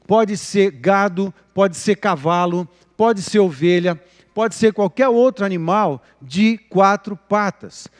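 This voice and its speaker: A Brazilian pastor preaches a live sermon in a high, light voice. He talks expressively, rising for emphasis and sinking almost to a whisper. The church gives his words a long, trailing reverb.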